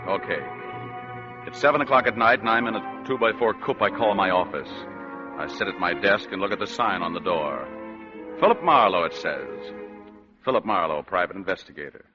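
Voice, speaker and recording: An actor playing a cynical private detective in a 1940s radio drama, narrating in dry wisecracks, on a dull old radio recording with music underneath. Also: male voice, low-pitched, expressive, normal speed. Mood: wry. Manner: wisecracking first-person narration. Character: cynical hard-boiled private eye man.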